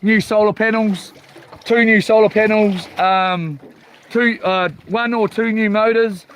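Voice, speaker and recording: A man with a notably high-pitched voice and a broad New Zealand accent talks in a loose, rambling way. He sounds like a casual livestream host, hesitant and informal. The recording is outdoors on a boat, with faint water and boat noise behind him. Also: fairly even intonation, unhurried, fairly bright tone, low-quality recording. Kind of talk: casual live vlog chat. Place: outdoors on a small boat at sea.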